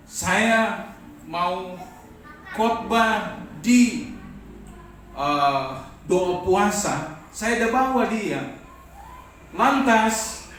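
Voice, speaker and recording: A high-voiced male pastor preaches slowly, drawing out his words and calling for amens. His voice rings through a big echoey church hall, picked up from some distance away from the mic. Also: fairly bright tone. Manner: preaching with call-and-response amens. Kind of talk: sermon.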